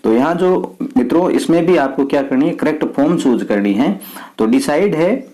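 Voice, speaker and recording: Man explaining an exam paper, mellow voice. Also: on the high side, expressive, moderate pace, poor audio. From Rajasthan, India. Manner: explains step by step, asks and answers his own questions. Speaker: teacher. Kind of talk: exam paper walkthrough lesson.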